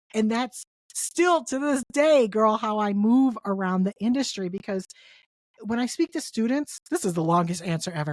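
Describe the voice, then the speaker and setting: Loud and animated, a woman with an American accent talks at a moderate pace with very wide pitch swings. The recording is very clean, with a silent background. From Detroit, US Midwest. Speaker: film producer. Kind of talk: interview.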